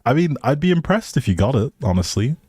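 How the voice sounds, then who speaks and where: A man's voice: mid-range voice, sing-song, fast, a little mellow, husky, no echo. A man hosting a livestream, chatting casually and informally straight to his viewers. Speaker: livestream host.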